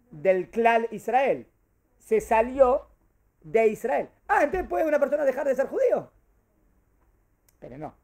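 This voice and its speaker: Man, high voice; teacher quizzing his students, lively and rhetorical. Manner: questioning and animated, answers his own questions. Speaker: rabbi teaching a class. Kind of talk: Torah class to a group.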